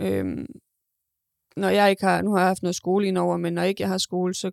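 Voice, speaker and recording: The woman's voice comes through on a very clean recording with a silent background and a dry, close sound with no echo. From Denmark, Funen. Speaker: archer, Olympic athlete. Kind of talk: interview. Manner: halting, many fillers and repetitions.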